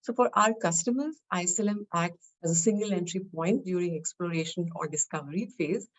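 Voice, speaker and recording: A woman giving a scripted technical product presentation, explaining in measured, short phrases. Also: lowish voice, rough recording.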